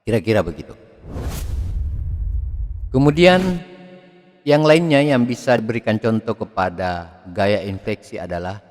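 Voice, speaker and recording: A man giving a video lecture on public speaking, expressive, swinging his pitch and loudness to demonstrate. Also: a little slow, long pauses. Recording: long hall reverb.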